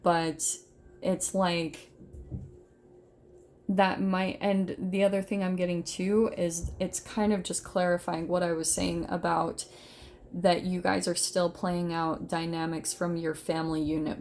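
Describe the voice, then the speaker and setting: A woman's voice: lowish voice, flat delivery, measured pace, darkish tone, slight background noise. A woman giving a casual, unscripted tarot reading, talking informally and directly to her viewers with emphatic, conversational phrasing. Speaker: tarot reader, host of an online reading.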